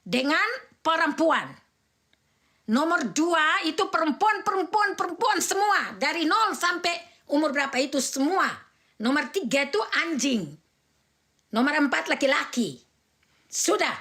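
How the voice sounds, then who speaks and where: A woman's voice: high-pitched, sing-song, unhurried, bright, forceful tone. A middle-aged woman from Indonesia, a mother scolding and ranting angrily and repetitively on a livestream. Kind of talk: heated livestream rant.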